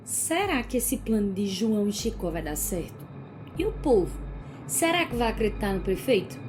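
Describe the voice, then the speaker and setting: Animated, teasing soap narrator voiced by a woman. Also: medium pitch, moderate pace, a little hiss or hum, lightly acted. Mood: teasing, excited. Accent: Northeastern Brazilian. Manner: teasing, colloquial. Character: gossipy, playful female narrator of radio soap. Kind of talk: dramatised radio soap narration.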